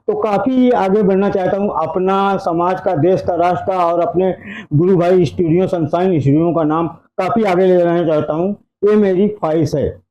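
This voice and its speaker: Middle-aged male interviewee, earnest, with a high, warm, slightly muffled voice. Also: steady tone, normal speed. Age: 50s. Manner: earnest, speaks in rhetorical lists. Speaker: guest, aspiring singer. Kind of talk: earnest interview answers, folk song.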